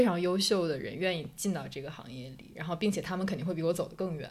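A woman with an ordinary speaking voice talks at a fairly quick pace. Her pitch sits fairly low, with ordinary variation. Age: 20s. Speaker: media professional. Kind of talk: casual chat.

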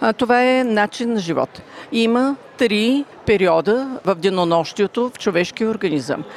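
Lively intonation runs through a woman's very slow speech, with noticeable background noise present. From Macedonia region. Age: 80s+. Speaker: retired beekeeper, herbalist. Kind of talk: interview at a food fair.

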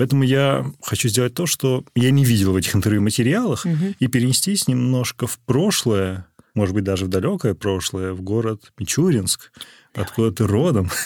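Over a silent background in a very clean recording, a man speaks at a moderate pace and medium pitch with lively intonation. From Chelyabinsk, Russia. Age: 20s. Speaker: podcast host. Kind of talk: interview.

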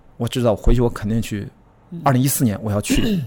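Fairly brisk delivery from a man at a medium pitch, his intonation varying in a usual way. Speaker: film producer and outdoor sports enthusiast. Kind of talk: casual interview chat. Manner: animated, laughs often.

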